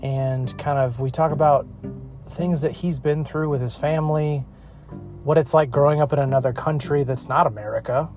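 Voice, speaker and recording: A man's voice: a little high, fairly even intonation, moderate pace, a little mellow. Chatty guy hosting a podcast, upbeat and jokey, faint music behind him. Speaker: podcast host. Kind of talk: casual interview chat.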